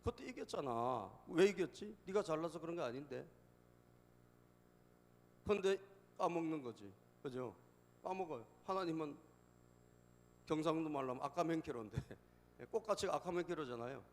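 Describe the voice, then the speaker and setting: A man with a somewhat high voice preaching in a church sanctuary, with a long reverb trailing his words. He tells humorous stories and keeps checking in with the listeners. He drives his points home by repeating them. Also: expressive, normal speed, long pauses. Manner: storytelling with jokes, often prompting the congregation with "예?"; emphatic repetition of key phrases. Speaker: pastor. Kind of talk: sermon.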